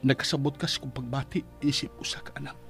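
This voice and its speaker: A man's voice: mid-range voice, steady tone, fast talker, vocal fry, a bit bright, soft background music. A Bisaya Filipino man playing an anguished priest who prays with pleading, reverent emotion in a radio drama. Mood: pleading, fearful. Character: anguished priest praying for his sick mother. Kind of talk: Bisaya radio drama acting, prayer monologue.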